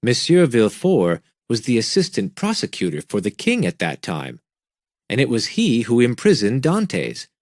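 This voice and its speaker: A man's voice: mid-range voice, huge pitch swings, normal speed, a little mellow, no echo, clean studio sound. A man voicing a fawning, sly innkeeper. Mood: earnest, indignant. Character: fawning, sly male innkeeper, middle-aged.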